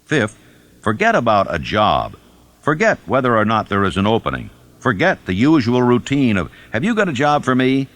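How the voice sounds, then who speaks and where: A man reading a self-help book as a scripted narration, deliberate and emphatic in his delivery. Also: medium pitch, huge pitch swings, fairly bright tone, dry recording. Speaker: audiobook narrator.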